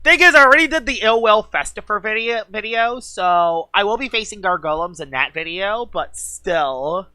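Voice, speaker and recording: A woman game streamer talking excitedly in a casual live-stream chat, gushing and chatty. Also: mid-range voice, normal speed, few pauses, no echo.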